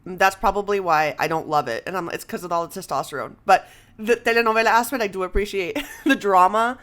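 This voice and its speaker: Female podcast host, mid-range voice, animated and conversational, drops in Spanish phrases. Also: medium pitch, quick pace. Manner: animated, expressive, exclamatory; mixes Spanish phrases into English. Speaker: podcast host and comedy writer.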